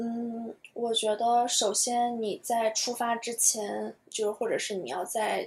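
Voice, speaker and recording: Speaking at a very slow pace with hardly any pauses, a woman has a fairly high pitch and fairly even intonation. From mainland China. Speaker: game animator. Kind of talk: casual interview.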